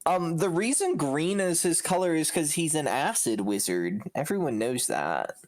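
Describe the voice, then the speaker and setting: A man's voice: on the high side, very animated, normal speed. A man playing a tabletop game, chatting casually and jokingly.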